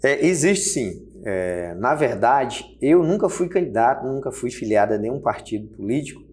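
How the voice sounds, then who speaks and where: A man's voice: mid-range voice, sing-song, normal speed, darkish tone, a little hiss or hum. A man in his forties, a health workers' union leader, giving emphatic interview answers in a small studio. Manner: emphatic, gestures broadly while speaking. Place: small studio set with table. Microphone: lapel mic.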